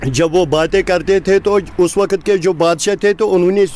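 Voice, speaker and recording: A man's voice: sits high, fairly even intonation, normal speed, a little mellow. A man from Kashmir with a Kashmiri accent, telling local lore as an interviewee in an earnest, repetitive, rambling way. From Kashmir, India. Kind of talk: informal storytelling in an interview. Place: outdoors at a local site. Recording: clear background noise outdoors, passing vehicles.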